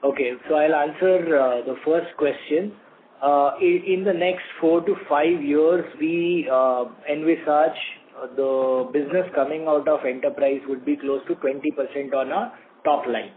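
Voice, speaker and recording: Higher-voiced Indian man on a phone line. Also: steady tone, a little slow. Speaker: company executive answering investor questions. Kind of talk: earnings call answers. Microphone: conference call phone line. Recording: narrow phone line with faint noise.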